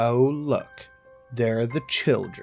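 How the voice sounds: A wheezy, put-on character voice from a man at medium pitch, fairly even in intonation, over faint background music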